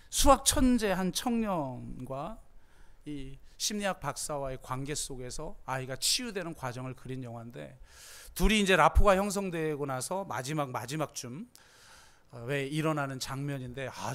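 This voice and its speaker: A middle-aged male pastor delivers a sermon in a high voice. He tells personal stories with feeling, dropping to near-hushed tones and then rising to impassioned pleas. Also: clear, resonant tone. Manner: emotional storytelling, swings from hushed to impassioned.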